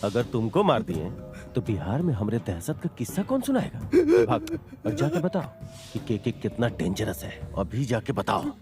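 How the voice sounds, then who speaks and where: KK, a sly menacing gangster. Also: male voice, medium pitch, huge pitch swings, normal speed, over music. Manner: taunting, threatening drawl. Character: cunning, menacing male gangster, adult. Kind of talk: Hindi film dub. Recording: film soundtrack with loud score.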